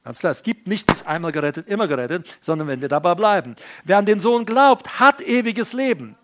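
High-voiced German-speaking preacher man. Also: animated, a little fast, heavy background noise. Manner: emphatic, explains Greek words. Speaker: pastor. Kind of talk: sermon.

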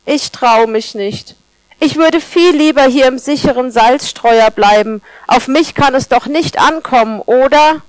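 A woman's voice: high-pitched, a little slow, dry recording, pitched above the performer's own voice, poor audio. A woman reading aloud as a timid little salt grain, hesitant, pleading, storybook tale, dry close sound.

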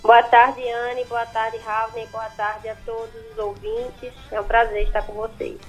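A woman's voice: fairly high pitch, unhurried, faint music behind. A woman speaking over a landline phone as an expert guest on a radio call-in, explaining with frequent hesitant fillers. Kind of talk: radio interview answers. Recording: muffled phone line.

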